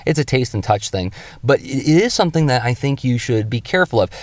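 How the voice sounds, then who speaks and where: A man's voice: medium pitch, big pitch swings, fast talker, no room sound. A man giving an informal spoken tutorial as a show host, thinking aloud conversationally and shifting his voice emphatically to stress points. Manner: conversational, thinking aloud with frequent self-interjections. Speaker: comics artist hosting a lettering show.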